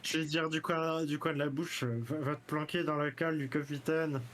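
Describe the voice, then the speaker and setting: A man playing a tabletop game, talking casually in a hesitant, halting way. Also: a little high, fairly even intonation, a bit bright. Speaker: player.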